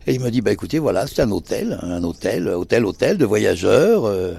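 A man's voice: fairly low pitch, very animated, fairly quick, creaky, mellow, breathy edge. An older man who owns a bar, telling anecdotes in casual conversation. He acts out the dialogue he quotes and hesitates often. He speaks indoors in his bar lounge. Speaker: bar owner.

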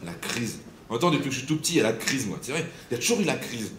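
A man's voice: mid-range voice, sing-song, rapid-fire, fairly bright tone, slight background noise. A man performing a sardonic stand-up routine in punchy bursts, played back from a radio segment. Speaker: comedian doing a radio column.

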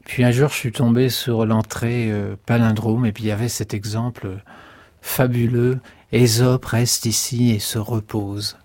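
A man, a guest poet in a radio interview, speaking in a halting, thoughtful way and often repeating words. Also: medium pitch, level tone, darkish tone, no room sound.

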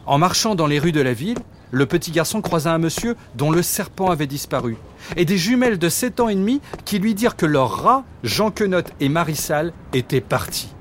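Male storyteller, high and animated, for a kids' tale. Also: brisk, a little hiss or hum. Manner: playful, expressive. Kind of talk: children's storybook narration. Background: music.

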